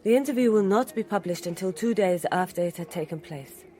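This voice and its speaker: A woman playing a committed Lebanese Arab activist in a radio drama, assured, formal and deliberate. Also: mid-range voice, expressive, mellow, lightly acted. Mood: cool, assured.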